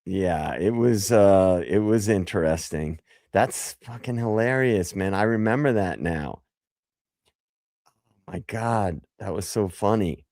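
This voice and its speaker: A hoarse man with a very low voice hosts a late-night livestream. He talks slowly and loosely, joking and swearing. The sound is close and dry. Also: darkish tone, no echo. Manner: loose and profane, jokey. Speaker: livestream host. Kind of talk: casual livestream chat.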